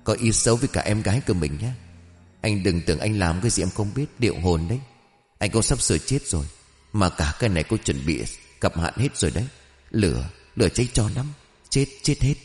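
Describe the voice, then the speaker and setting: A man's voice: on the low side, expressive, brisk, darkish tone, roomy sound, in a large hall, lightly acted. A man voicing a possessed young village woman, speaking in an eerie, menacing voice that prophesies doom.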